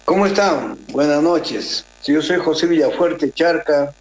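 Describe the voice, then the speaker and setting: A man from southern Peru with a Peruvian Spanish accent, a radio guest giving measured political analysis, pausing often with fillers and restarts over a remote call. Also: on the high side, lively intonation. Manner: measured, hesitant, many filler pauses and restarts. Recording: roomy echo.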